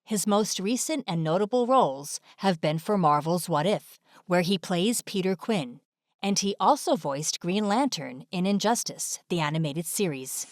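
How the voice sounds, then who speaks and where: Lively, polished female narrator. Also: fairly low pitch, normal speed, dry recording, clean studio sound. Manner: polished, presentational. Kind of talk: scripted video essay narration.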